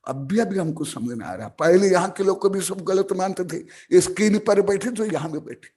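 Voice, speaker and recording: A man's voice: sits high, lively intonation, normal speed, mellow. A man giving a sermon on scripture in an emphatic, scolding, lecturing manner.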